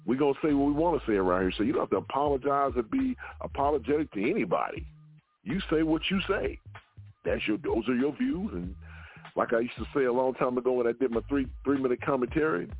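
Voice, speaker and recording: A man's voice: mid-range voice, animated, fast talker, soft background music. A man hosting an opinion talk show, arguing his point emphatically and repeating words as he pushes on. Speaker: radio show host. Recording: phone-like narrow sound.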